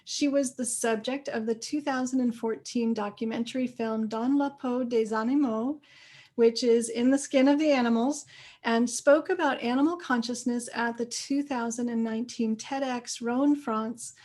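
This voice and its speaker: A woman's voice: a little high, fairly even intonation, normal speed, a little mellow. A woman host who reads an enthusiastic introduction of her guest and then interviews her. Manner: upbeat and enthusiastic. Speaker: summit host.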